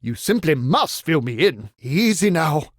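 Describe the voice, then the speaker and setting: An actor playing a theatrical, fawning and easily offended medieval knight for a video game, speaking mock-archaic English. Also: male voice, a little high, big pitch swings, unhurried, no room sound, clean studio sound. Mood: fawning, admiring. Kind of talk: video game character voice lines.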